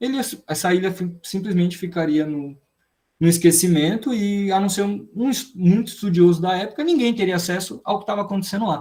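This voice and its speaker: The recording is very clean with a silent background. A man with a high pitch and a dark, mellow tone speaks with ordinary pitch variation. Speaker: study group presenter. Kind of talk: seminar presentation. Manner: fast; halting.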